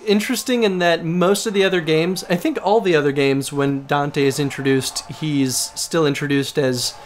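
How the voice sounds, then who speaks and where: A man's voice: on the high side, steady tone, normal speed, slight background noise. A man co-hosting casual, analytical game commentary, thinking aloud in a conversational, hedging way. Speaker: video game show co-host.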